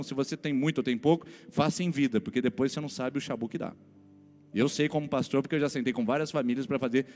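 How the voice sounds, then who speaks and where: In a church hall, a man with a Brazilian Portuguese accent preaches forcefully as a pastor, often turning to address the congregation directly. He speaks in a mid-range, slightly mellow voice, with the room's reverb and faint music audible behind him.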